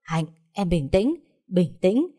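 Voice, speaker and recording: A guilty young husband speaks in a hushed, pleading tone, read by a woman narrator. He sounds quiet and evasive, a figure in a spoken audio story. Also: fairly low pitch, sing-song, slow, full character voice.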